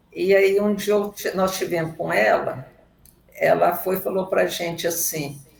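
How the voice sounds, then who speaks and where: Noticeable background noise surrounds a woman speaking at a fairly slow pace. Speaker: accountant and business consultant. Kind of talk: podcast interview.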